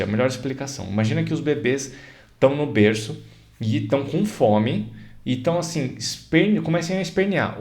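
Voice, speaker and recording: A man's voice: mid-range voice, a little mellow. A man with a Brazilian Portuguese accent, an astrologer explaining ideas in a casual, conversational way and often checking that the listener follows. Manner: conversational, repeats examples, checks in with "certo?" and "tá?".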